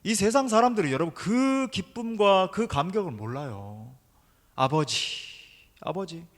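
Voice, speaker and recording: A middle-aged man preaches with emphasis, turning again and again to address the congregation directly. His voice sits a little high for a man. The sound rings with the long reverb of a large church sanctuary. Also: expressive, measured pace. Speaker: senior pastor. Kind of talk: sermon. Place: church sanctuary during an evening service.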